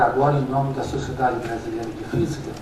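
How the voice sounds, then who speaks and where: A man talks at a moderate pace with a medium pitch and fairly even intonation. Audible room echo and noticeable background noise are present. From Brazil, southern Minas Gerais. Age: 60s. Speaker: physicist, professor. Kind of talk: conference talk. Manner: halting, with fillers.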